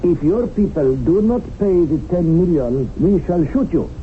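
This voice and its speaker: An actor playing a fanatical, imperious revolutionary gang leader in a radio drama, with a pompous, declamatory manner. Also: male voice, fairly high pitch, expressive, a little slow. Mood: commanding. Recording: hissy, tinny old radio recording.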